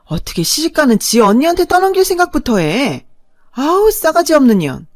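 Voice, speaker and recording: Woman doing a shrill domineering old mother. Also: big pitch swings, moderate pace, dry recording, clean studio sound. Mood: scolding. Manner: shrill, loud berating. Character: scolding older mother, harsh and domineering.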